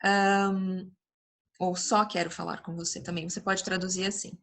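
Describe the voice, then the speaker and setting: Bright-voiced Brazilian woman teaching English. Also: on the low side, flat delivery. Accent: Brazilian Portuguese. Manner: explains patiently, reads English examples slowly and carefully. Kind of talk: online language lesson.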